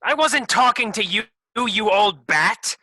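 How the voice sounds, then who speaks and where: Man playing a sharp-voiced, self-important comedy doctor. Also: high voice, lively intonation, slow, no echo, heavily acted. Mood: bossy urgency. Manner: hesitant stammer turning to bossy, melodramatic gravity. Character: flustered, self-important male doctor who operates on scripts. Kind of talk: comedy sketch staged reading.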